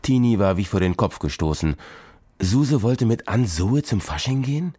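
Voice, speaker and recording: Lively, low-voiced male storyteller. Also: moderate pace, husky, no room sound. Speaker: narrator. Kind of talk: storybook reading for children.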